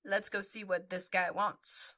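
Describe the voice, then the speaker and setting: A woman acting in an audio drama as an easygoing, playful courier with an unhurried, teasing way of talking. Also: mid-range voice, little pitch movement, sharp tone.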